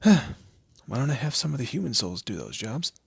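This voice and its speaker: A man's voice: mid-range voice, big pitch swings, brisk, creaky, a little mellow, slightly rough, no room sound, studio quality, exaggerated voice. A man voicing a smug, teasing demon lord in a scripted audio roleplay, with a theatrical, condescending manner and amused asides. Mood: sly, businesslike. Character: smug, teasing male demon lord, proud torturer and bureaucrat.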